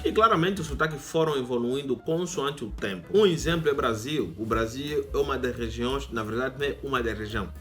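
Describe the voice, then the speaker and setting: A young Angolan man hosts a YouTube channel, delivering a casual educational monologue in an Angolan Portuguese accent and tossing asides to viewers. His medium-pitched voice is bright and forceful.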